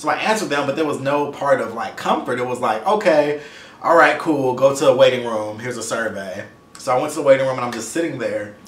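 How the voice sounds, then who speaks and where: Speaking very fast, a man has a fairly high pitch and ordinary pitch variation. Audible room echo and noticeable background noise fill the recording. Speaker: vlogger. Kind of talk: personal story vlog. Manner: casual, stumbling over words.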